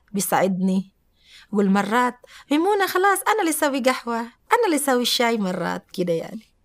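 Lively intonation marks this speaker with an Indonesian accent, heard against a quiet background. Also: woman. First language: Indonesian (speaking Arabic). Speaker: domestic worker; interviewee. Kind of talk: interview. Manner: halting. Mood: cheerful, smiling. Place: studio.

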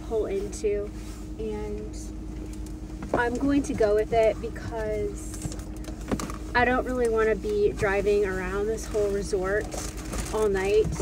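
A woman speaks at a fairly slow pace, leaving long, frequent pauses. The sound is dry with no echo, though background noise is noticeable. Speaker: car camper vlogger. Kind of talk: casual vlog chat. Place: car. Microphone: phone near.

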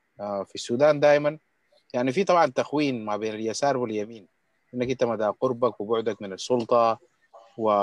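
On a dry, close recording with no echo and a quiet background, a man speaks at a moderate pace and medium pitch. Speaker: participant asking questions, academic. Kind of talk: casual discussion. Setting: video call.

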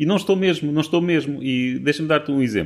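This male voice sits at a medium pitch. He delivers his words at a fairly quick pace. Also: quiet background. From Portugal, Coimbra; Portugal. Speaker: economics professor. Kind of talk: casual interview. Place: studio. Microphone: studio mic.

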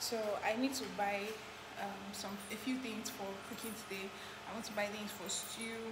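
Loud background noise runs under the speech. A woman talks at a moderate pace. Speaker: vlogger. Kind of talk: casual vlog chat. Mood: cheerful, playful. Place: home room. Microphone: lapel.

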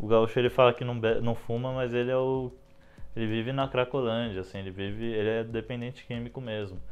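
A man at a fairly quick pace with faint music in the background. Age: 20s. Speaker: social project storyteller working with homeless people. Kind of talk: personal testimony interview. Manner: casual, with many fillers. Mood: calm, reflective. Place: home room. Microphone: lapel.

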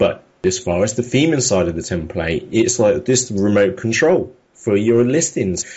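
A man with a British accent, medium pitch and lively intonation, somewhat breathy, at very even loudness and a moderate pace with hardly any pauses. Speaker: entrepreneur and online tutorial creator. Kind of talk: casual chat.

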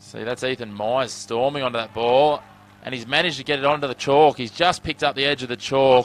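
With an Australian accent, a man talks at a fairly quick pace and medium pitch amid noticeable background noise. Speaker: rugby league commentator. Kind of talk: live rugby league commentary. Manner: fast, clipped play-by-play delivery; excitable, rising with each try.

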